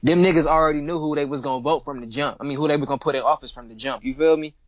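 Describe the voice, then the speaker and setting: Racing through his words, this Cleveland, Ohio rapper in his twenties guests on a casual interview, relaxed, slangy, and repetitive. His voice runs a bit high, and the recording has no room sound with highs cut off.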